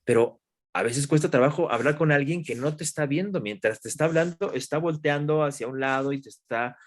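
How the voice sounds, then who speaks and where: A man, a guest expert in an interview, explaining calmly with examples and questions to the listener. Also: a little high, fairly quick. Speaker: guest expert in human development.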